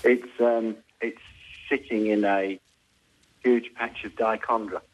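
A man's voice: lowish voice, fairly even intonation, takes it slowly, muffled recording. A man calling a radio show, asking casually and answering in brief, hesitant phrases. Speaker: radio phone-in caller. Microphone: telephone.

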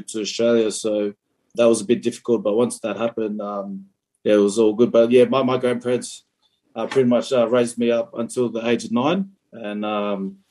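A young man in his twenties, born in Fiji, talks about himself at an easy pace. His voice sits low, mellow and fairly flat. He stops often for fillers as he answers. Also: poor audio. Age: 20s. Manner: relaxed, hesitant with many fillers. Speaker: rugby league player, guest. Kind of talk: interview answers.

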